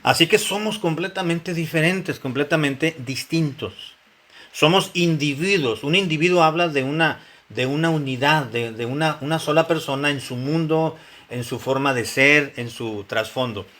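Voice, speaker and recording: A man's voice: a little high, moderate pace, a bit bright. A man teaching a Bible lesson to married couples, conversational, repeating himself and asking the congregation questions. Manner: conversational preaching with questions to the congregation and frequent repetitions. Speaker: pastor teaching a Bible study.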